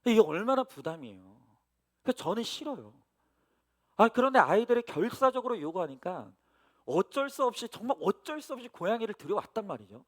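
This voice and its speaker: Male pastor, middle-aged, high and animated, storytelling sermon to the congregation. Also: brisk. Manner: storytelling with lively asides to the congregation.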